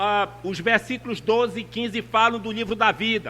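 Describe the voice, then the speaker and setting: A man's raised, projected voice, high-pitched, bright and sharp in tone, fairly slow, with fairly even intonation. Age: 60s. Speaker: pastor. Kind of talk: sermon.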